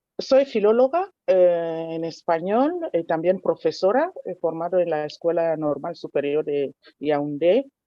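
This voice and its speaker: A woman with a Cameroonian accent speaks very slowly in a fairly low voice, her intonation lively. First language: Ewondo (speaking Spanish). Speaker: panel speaker, project coordinator. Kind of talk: round-table talk. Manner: hesitant with many fillers.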